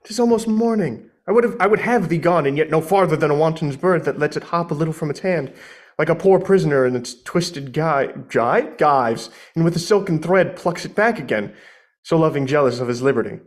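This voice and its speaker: An earnest, impulsive young woman in love, acted by a man, speaking Shakespearean verse in a fairly high voice. The delivery is theatrical and devoted, as in an amateur stage reading. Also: animated, fairly quick, close to an everyday voice. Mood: wistful, tender.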